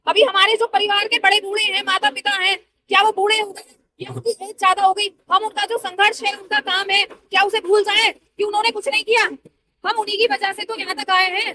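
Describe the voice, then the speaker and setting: A woman's voice: very high-pitched, pushed and bright, dry recording. A woman in her thirties, a party worker answering interview questions in an earnest, persuasive way. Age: 30s.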